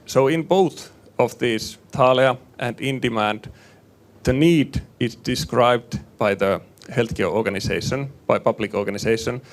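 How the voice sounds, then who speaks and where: A man from northern Finland, a hospital innovation manager, giving a measured panel presentation with frequent fillers into a conference microphone. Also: mid-range voice. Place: conference room with live panel. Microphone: handheld or table microphone.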